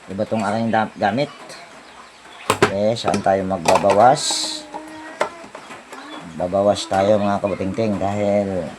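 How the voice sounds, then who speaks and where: Male repair tech, low voice, muttering through a hands-on tutorial; noisy outdoor recording. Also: fairly even intonation, unhurried, long pauses. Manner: talks to himself while working, thinking aloud. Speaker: appliance repair technician. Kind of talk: casual step-by-step repair tutorial. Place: outdoor home service job with roosters and birds nearby.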